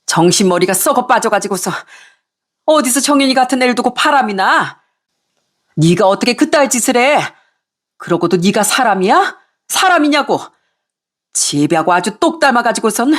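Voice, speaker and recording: A woman voicing an angry middle-aged mother-in-law who scolds and nags in a shrill voice. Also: lively intonation. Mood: outraged. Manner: shrill, scolding, rapid nagging.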